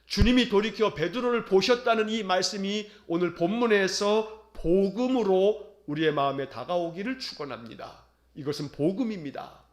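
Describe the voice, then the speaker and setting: A man pastor preaching a sermon in an earnest, solemn way, with slow and tender quoted words. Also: high-pitched, reverberant.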